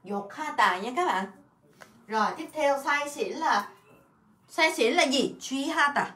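A woman teaching a Korean grammar lesson in a casual way, explaining in Vietnamese and repeating Korean words and example sentences in quick bursts. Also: sits high, lively intonation, fairly bright tone, reverberant. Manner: refers to herself by her own name and as teacher.

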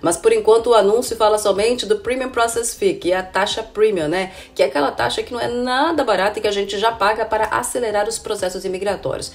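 Speaking fast with hardly any pauses, a woman in her thirties with a hoarse voice from a cold delivers a casual informative vlog as a channel host and immigration consultant. Her pitch is medium, and she chats to "gente" with frequent "né?" and "viu?". She's recorded at close range by a camera indoors, window blinds behind.

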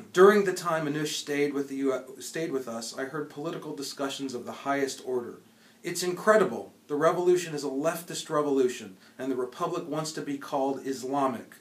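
A man's voice: medium pitch, brisk. An American man in his forties, a professor, reading a book aloud. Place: small indoor office with bookshelves. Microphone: camera a few feet away. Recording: roomy office sound from camera mic.

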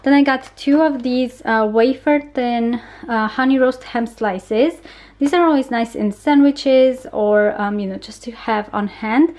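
A woman's voice: a little high, unhurried, darkish tone. A young woman talking casually and chattily in an informal vlog style, recorded on a handheld camera in a home kitchen. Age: young adult. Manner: chatty and informal, small laughs between remarks. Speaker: vlogger.

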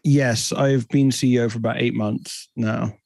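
A man's voice: mid-range voice, steady tone, moderate pace, gravelly, darkish tone, no room sound. A man in his thirties with a British accent, a guest explaining technology fluently in a podcast interview over a headset from a home office. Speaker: guest, tech company CEO.

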